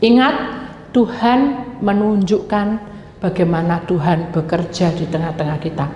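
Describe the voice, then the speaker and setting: A woman pastor preaching a lively sermon full of stories and acted-out quotes. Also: on the low side, measured pace, muffled recording. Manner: animated, switches into acted quotes and dialect asides. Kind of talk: sermon with storytelling. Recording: echoey hall with faint noise.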